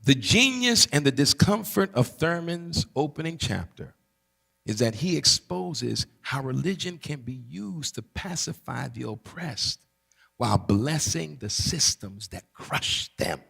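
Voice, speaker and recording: Gravelly, lively preacher man in a hall. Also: on the high side, a little slow. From Barbados. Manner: preacherly, call-and-response asides, emphatic repetition. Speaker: pastor. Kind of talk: teaching sermon.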